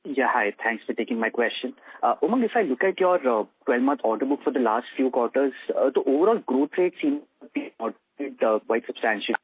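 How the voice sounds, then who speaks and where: Fast, husky man on the phone. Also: medium pitch, animated, no room sound, phone-quality sound. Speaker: financial analyst asking questions. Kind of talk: earnings call question. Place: phone call.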